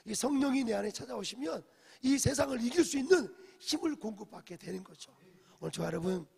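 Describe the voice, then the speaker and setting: A man's voice: extremely high pitch, expressive, fairly quick, gravelly, a little mellow, husky. A male pastor giving a dawn service sermon, telling the story, asking the congregation questions and dropping in English phrases. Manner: acts out quoted speech, drops in English phrases. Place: church sanctuary. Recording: echoey church hall.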